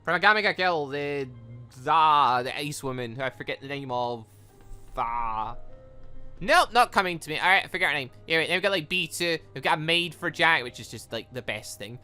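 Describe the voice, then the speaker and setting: Animated, bright-voiced man rambling over music. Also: a little high, normal speed, clean tone. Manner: rambling, animated, trailing off and correcting himself. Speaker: gaming video host playing a visual novel. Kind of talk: casual let's-play commentary, reading game dialogue aloud.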